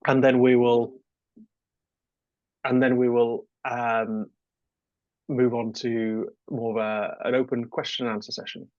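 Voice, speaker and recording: A man moderating a webinar, laying out the session format in a brisk, organizing way with a few fillers, heard over a video call. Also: medium pitch, no echo. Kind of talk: hosting a webinar. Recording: dry, dull lo-fi call audio.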